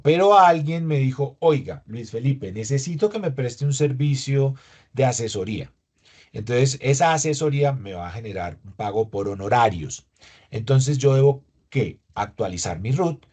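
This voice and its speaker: A man's voice: mid-range voice, dark tone, slightly rough. A man with a Colombian accent giving a tax lesson, explaining step by step and asking rhetorical questions. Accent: Colombian Spanish. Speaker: tax instructor.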